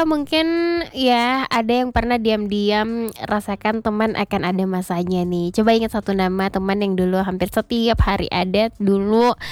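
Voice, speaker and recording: A woman's voice: mid-range voice, no room sound. A woman hosting a late-night radio talk, speaking conversationally and reflectively, directly to the listener. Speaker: radio host. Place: radio studio.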